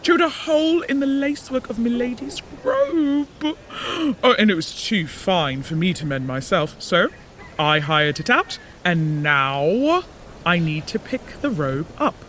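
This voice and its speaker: A chatty, carefree palace servant. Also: male voice, high voice, very animated, unhurried, a bit bright, a little hiss or hum, heavily acted. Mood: breezy. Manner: breezy and chatty. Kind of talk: audio drama acting.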